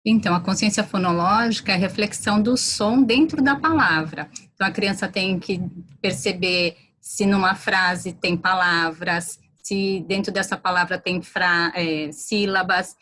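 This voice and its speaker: A woman's voice: medium pitch, fairly even intonation, measured pace, fairly bright tone. A woman with a mid-range voice explains a literacy concept step by step to other teachers in a live discussion. She often backs up and restarts her sentences as she works through the idea.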